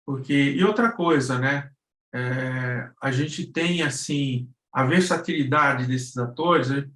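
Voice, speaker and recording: A Brazilian man giving an informal online lesson, halting as he searches for words. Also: medium pitch, fairly bright tone. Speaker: guest lecturer on podcast production. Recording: roomy, echoing live-stream sound.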